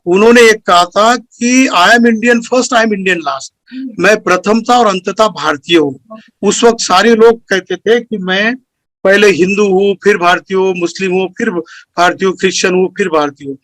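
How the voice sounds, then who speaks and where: A man's voice: sits high, a bit bright, dry recording, rough recording. A man giving a formal speech to a gathering, earnest and lecturing, going through his points one by one. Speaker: speaker at a community meeting.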